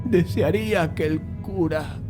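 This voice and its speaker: Man acting a slow, dying horror narrator. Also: on the high side, loud music behind the voice, natural voice. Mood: grave, anguished. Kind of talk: dramatized horror audiobook narration.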